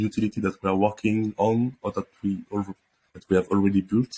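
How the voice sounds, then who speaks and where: With a French accent, a man speaks at a moderate pace in a fairly low pitch and a dark, mellow tone. His intonation is monotone and flat, and the sound is dry and close with no echo. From France. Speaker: NFT project founder. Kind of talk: interview.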